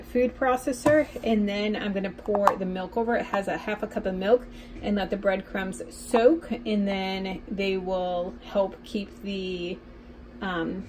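A young woman chatting casually through her meal prep vlog in her home kitchen, filmed on a phone. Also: medium pitch. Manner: chatty, talks baby-talk to her cats. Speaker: vlogger. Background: faint household appliance hum.

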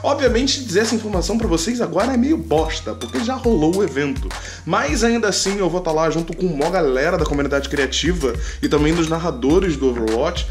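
A man's voice: a little high, expressive, brisk. A young Brazilian man chatting casually to camera as a vlogger, in an informal, slangy way. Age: young adult. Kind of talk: casual vlog chat to camera. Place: indoor room, then bus station and rest stop. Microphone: handheld action camera at arm's length. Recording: loud background music.

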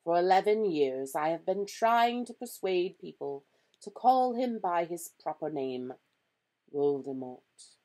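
A woman plays a kindly old male wizard from a storybook. He talks slowly, with courteous, gentle patience. His phrases rise and fall widely, yet stay calm and measured. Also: lowish voice. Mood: patient. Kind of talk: storybook character reading.

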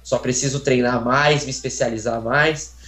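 A man's voice: medium pitch, fairly even intonation, normal speed, a bit bright. Earnest young Brazilian man, roomy call audio. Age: 20s. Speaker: interview guest, aspiring voice actor. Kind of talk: casual chat. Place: small plain room at home. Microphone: phone on a video call.

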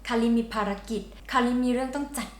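A woman's voice: fairly high pitch, fast talker, echoey room. A woman hosting a channel, explaining song lyrics and slang in a chatty, playful way. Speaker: song translator, channel host. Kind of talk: casual explaining lesson.

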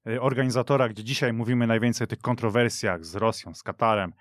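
A man's voice: mid-range voice, steady tone, quick pace, no room sound, clean studio sound. A man giving discursive, thoughtful, unscripted commentary as a panelist in a sports discussion. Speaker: podcast panelist.

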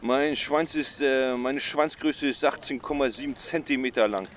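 A man's voice: medium pitch, normal speed, heavy background noise, lightly acted. An actor playing a clueless male caller reporting a stolen bike, hesitant and full of filler sounds. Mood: rambling.

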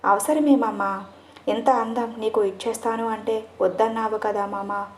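Teasing young woman, voiced by a woman, theatrical, fairly high voice, echoey room. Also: fairly even intonation, a little slow, slight background noise, natural voice. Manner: theatrical, mock-dramatic speeches. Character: playful, teasing young woman, a dramatic film fan.

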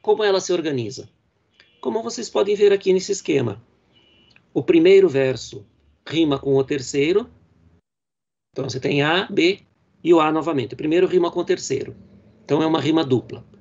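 A man's voice: on the high side, creaky, a little mellow. Brazilian man lecturing on poetry, muffled. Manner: explanatory, with frequent "né?" and "é" fillers; reads verse lines slowly and deliberately. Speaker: literature professor.

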